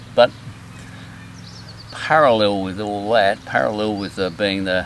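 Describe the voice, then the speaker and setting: Fairly slow, fairly low male speech with an Australian accent and noticeable background noise. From Australia, Adelaide. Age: 60s. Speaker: war veteran. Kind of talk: casual interview. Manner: halting.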